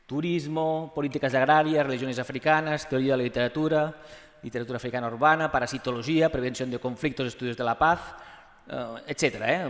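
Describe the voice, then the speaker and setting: A man with a Catalan accent giving a conference presentation, halting through fillers and restarts as he drifts between languages. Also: on the high side. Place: university conference hall. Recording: reverberant hall.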